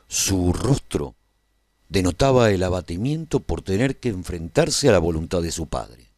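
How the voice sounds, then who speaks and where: A man playing an earnest, reflective narrator of a radio serial, telling his own story of life at a royal court in a measured, solemn, dramatic delivery. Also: medium pitch, darkish tone, dry recording, studio quality.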